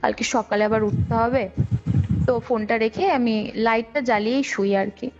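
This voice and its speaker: A woman's voice: fairly high pitch, fairly even intonation, normal speed, a little mellow. A young woman tells a personal ghost story conversationally, in detail, circling back over points. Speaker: guest, caller. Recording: dull lo-fi call recording with background music. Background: background music.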